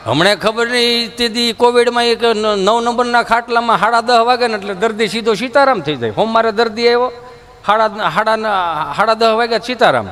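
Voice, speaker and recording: A man's voice: very high-pitched, a little fast, a bit bright, soft background music. A man with a Kathiawadi Gujarati accent telling folksy stand-up stories in a chatty way, acting out characters. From Gujarat, India. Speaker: stand-up comedian. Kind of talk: stand-up storytelling.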